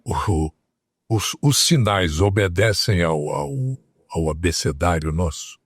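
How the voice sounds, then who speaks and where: A man's voice: deep voice, takes it slowly, slightly rough, dry recording, studio quality. A man with a Brazilian Portuguese accent hosting a health talk show, asking his guests questions and passing on viewers' questions. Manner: asks questions, relays viewer questions. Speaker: host.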